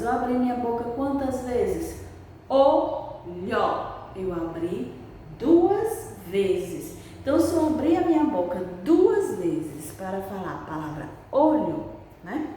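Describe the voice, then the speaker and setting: A woman teacher giving a lesson, talking slowly and patiently, stretching and repeating words and asking questions she then answers herself. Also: a little high, darkish tone. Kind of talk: recorded grammar lesson for pupils. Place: room with a board she writes on and erases. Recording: very echoey, long reverb, far from the mic, faint hiss.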